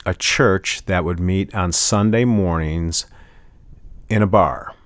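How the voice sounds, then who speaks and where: Very deep-voiced man telling stories. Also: takes it slowly, no room sound. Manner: rambling, many restarts and "you know". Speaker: interview guest, musician. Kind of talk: casual storytelling interview.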